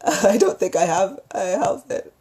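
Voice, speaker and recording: A woman's voice: medium pitch, big pitch swings, a little slow, dark tone. A woman hosting a casual livestream, chatting informally and gushingly with viewers as a storyteller, using affectionate endearments. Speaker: livestream host, storyteller and psychic healer.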